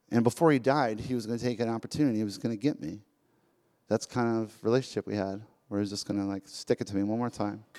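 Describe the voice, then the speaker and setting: Dark and mellow in tone, the voice moves at a very fast pace in a dry, close sound with no echo and a very clean recording with a silent background. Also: man, medium pitch for a man, ordinary pitch variation. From Buffalo, New York. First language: Spanish. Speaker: pastor. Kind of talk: sermon. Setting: church. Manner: casual, halting.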